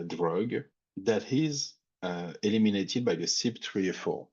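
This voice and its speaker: A man's voice: sits low, darkish tone, breathy edge, dull audio. A man with a French accent presenting a technical webinar, thinking aloud with frequent fillers and restarts. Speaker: industry expert presenting a webinar.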